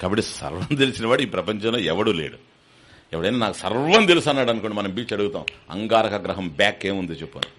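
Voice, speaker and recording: Speaking as a spiritual teacher, a man delivers a sermon on scripture, asking rhetorical questions and chanting verses. His lowish voice is expressive and a bit bright, his pace quick, with slight background noise.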